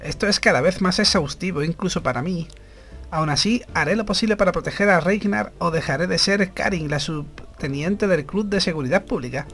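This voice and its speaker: A man's voice: sits high, brisk, a bit bright, faint music behind. A man from reading aloud the lines of an earnest young woman security officer in a game, in his own plain voice.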